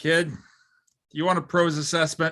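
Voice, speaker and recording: A man uses a put-on character voice, gruff and high-pitched for a man. He keeps a moderate pace with monotone, flat intonation. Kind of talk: 1940s-style tough editor. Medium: audio drama. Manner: gruff, blunt, impatient.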